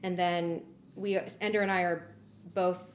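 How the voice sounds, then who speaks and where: A woman hosting a casual livestream, explaining work progress in an informal, halting way as she thinks aloud. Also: on the low side, level tone. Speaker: livestream host and music arranger. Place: warm indoor room. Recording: roomy echo, clear background noise.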